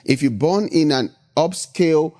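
A man's voice: a little high, unhurried, warm tone. A middle-aged man from Nigeria with a Nigerian accent, hosting a motivational business podcast and driving his points home with repetition and frequent "right?". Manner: emphatic, repetitive, asks "right?" often. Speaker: podcast host.

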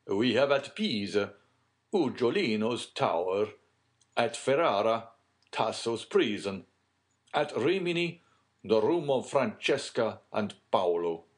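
A man voicing a proud Italian gentleman in a storybook, declamatory and deliberate. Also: on the low side, sing-song, pitched above the performer's own voice. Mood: grand, boastful.

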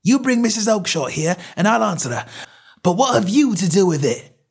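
Shouting male market trader, angry, loud, high-pitched, voiced by a man. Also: big pitch swings, moderate pace, exaggerated voice. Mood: furious. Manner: shouting, gruff.

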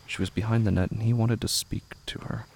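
A man reading scripted, literary narration for a horror audio drama in a measured, brooding way. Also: lowish voice, fairly even intonation, vocal fry, a little mellow, slight background noise.

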